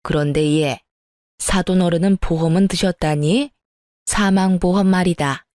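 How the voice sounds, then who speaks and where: A woman voicing a greedy, scheming older mother-in-law in a read-aloud story, with a slow, condescending drawl. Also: fairly low pitch, darkish tone, no echo, studio quality, natural voice.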